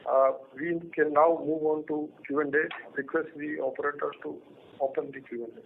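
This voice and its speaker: Higher-voiced Indian man presenting over the phone. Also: little pitch movement, normal speed, vocal fry. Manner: formal, reading out figures. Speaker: company executive presenting results. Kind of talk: prepared financial presentation. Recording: tinny phone line with noise.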